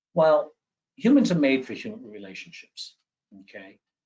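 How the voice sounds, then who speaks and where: A man with a Boston accent speaks at a moderate pace. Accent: Boston accent, dropped R's. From Boston area. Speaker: education professor and speaker. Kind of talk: webinar presentation.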